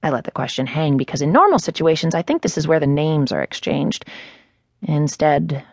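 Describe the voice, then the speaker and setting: A woman's voice: deep voice, expressive, moderate pace, creaky, no echo. A woman narrating a first-person novel in a wry, conversational way on a close studio mic. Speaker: audiobook narrator. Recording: dry studio booth.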